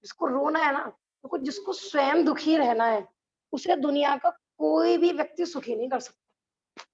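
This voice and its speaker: A woman's voice: high-pitched, unhurried, a little mellow, muffled recording. A woman teaching a religious class who keeps asking the listeners rhetorical questions and laughs between points. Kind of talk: lecture to a class.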